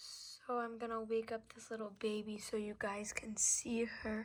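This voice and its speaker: A dark, mellow tone comes through in a somewhat breathy voice. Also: woman. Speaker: animal rescue vlogger. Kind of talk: casual vlog tutorial. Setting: at home, on the floor. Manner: upbeat, chatty.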